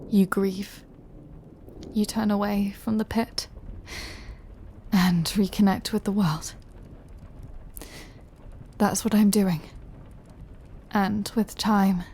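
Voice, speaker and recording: A woman playing a lonely, tender immortal vampire lover in an intimate audio roleplay, her voice breathy and often half-whispered, with an emotional delivery. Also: mid-range voice. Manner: slow, hushed, emotional delivery with long pauses.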